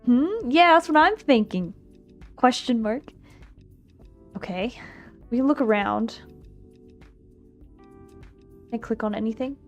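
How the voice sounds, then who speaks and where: A woman's voice: on the high side, slow pace, long pauses. A woman streamer with a playful manner, giving casual commentary and reading game text aloud as she plays. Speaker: streamer playing and reading aloud a visual novel. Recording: music behind the voice. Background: game music.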